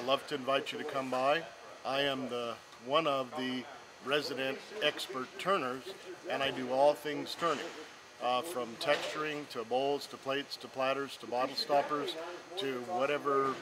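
A man's voice: mid-range voice, fairly even intonation, a little slow, crowd noise. An older man giving an informal promotional talk to camera as an exhibitor. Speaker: woodturning exhibitor. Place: exhibition hall booth. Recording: music over exhibition-hall recording.

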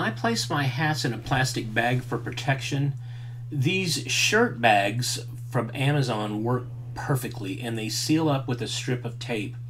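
A man in his fifties walks through a craft tutorial at an unhurried pace, talking casually with frequent fillers. His voice sits at an ordinary pitch. A faint hum runs underneath the recording. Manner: relaxed and chatty, many fillers. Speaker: maker teaching a craft. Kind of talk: hands-on tutorial. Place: indoors at a workbench, later outdoors by a farm fence.

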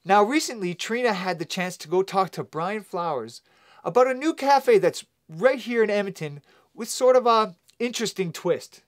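A man's voice: sits high, lively intonation, moderate pace. A man from Canada hosting his channel, talking upbeat and direct to the camera in a studio. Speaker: channel host. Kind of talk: casual video intro to camera.

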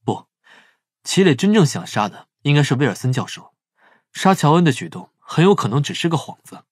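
Man acting a wry, husky young investigator. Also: fairly high pitch, big pitch swings, a little fast, no echo, clean studio sound. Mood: wry, shrewd. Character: wry, shrewd young male police profiler. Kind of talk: audio drama acting. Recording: faint music under the voice.

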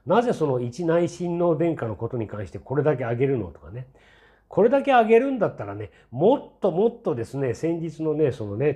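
A man's voice: mid-range voice, warm tone. A man in his sixties hosting his own channel, giving a casual, rambling opinion commentary full of fillers, with a mildly skeptical, mocking edge. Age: 60s. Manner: chatty and rambling, many fillers and tag asides. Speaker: channel host.

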